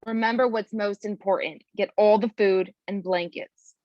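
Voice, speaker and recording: A woman playing a serious, no-nonsense leader of a secret raid, brisk and commanding, at a screenplay table read. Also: mid-range voice, steady tone, dry recording, lo-fi sound, natural voice. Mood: urgent, commanding.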